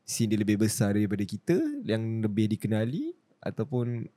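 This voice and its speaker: Low-voiced man hosting, dry sound. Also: moderate pace, warm tone, no echo. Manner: teasing, asks long framed questions. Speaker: host. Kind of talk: casual chat.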